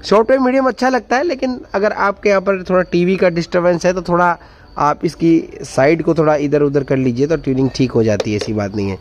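A man's voice: a little high, fast talker, lo-fi sound. A man casually demonstrating a radio, chatty and enthusiastic, repeating his praise, recorded on a phone indoors. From India. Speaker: radio reviewer. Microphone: phone camera held close to the radio. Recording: loud radio music playing behind.

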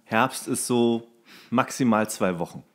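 A man's voice: mid-range voice, measured pace. A man chatting casually as a co-host on a podcast.

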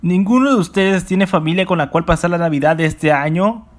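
A man's voice: high-pitched, a little fast, close to an everyday voice. A man voicing a grumpy, sarcastic teenage hedgehog hero in a cartoon, sounding exasperated.

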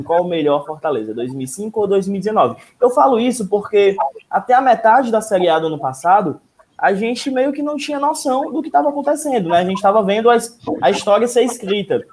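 A man's voice: high-pitched, animated, a little fast, darkish tone. A man in his thirties hosting a casual live sports talk over a video call. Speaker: host. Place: room at home, indoors. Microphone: wired earphone mic on video call.

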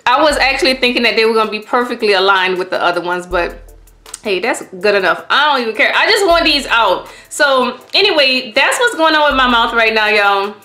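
A woman's voice: a little high, animated, a little fast, pushed and bright, reverberant, faint music behind. Chatty woman talking with braces on. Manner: chatty, addresses viewers as y'all. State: speaking with braces on. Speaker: vlogger. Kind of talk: casual talk to camera.

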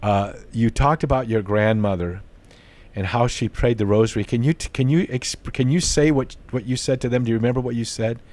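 A man's voice: mid-range voice, darkish tone. An older man in his sixties hosting an interview podcast from a home study, talking earnestly and restarting his sentences often. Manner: earnest, halting with frequent restarts. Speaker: host. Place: home study lined with bookshelves. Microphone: studio mic on boom arm, headphones.

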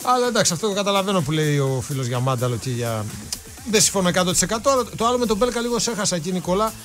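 A man's voice: high-pitched, lively intonation, fairly bright tone, soft background music. Man co-hosting sports radio banter. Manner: reads listener messages, asks puzzled questions. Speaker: radio sports show co-host. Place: radio studio.

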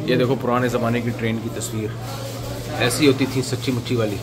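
A man's voice: medium pitch, level tone, a little fast, crowd noise. A man from Pakistan giving casual, amused travel-vlog commentary outdoors at a railway station, chatting and thinking aloud as he walks. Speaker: vlogger. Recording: heavy outdoor background noise.

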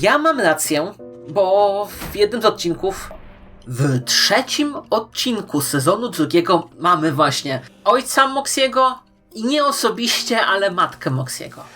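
A woman hosting online fan commentary, playful and emphatic, with dramatic pauses. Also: mid-range voice, a bit bright. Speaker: YouTube host. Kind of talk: scripted fan-theory commentary to viewers.

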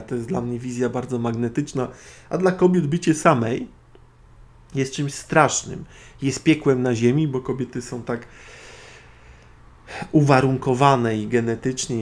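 A man's voice: mid-range voice, darkish tone. A man hosting an internet radio show, speaking in a sardonic, opinionated monologue to his listeners. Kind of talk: solo spoken monologue.

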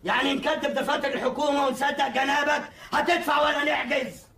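An actor playing an overbearing, officious government tax collector who threatens people, in a historical film. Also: male voice, extremely high pitch, steady tone, fast, creaky, pushed and bright, far from the mic, heavily acted. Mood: threatening. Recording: echoey room, off mic.

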